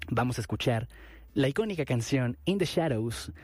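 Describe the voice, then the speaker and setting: A man with a Mexican Spanish accent hosting a radio ticket giveaway from a studio booth, animated and repeating phrases for emphasis. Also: mid-range voice, normal speed, no room sound. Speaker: radio host.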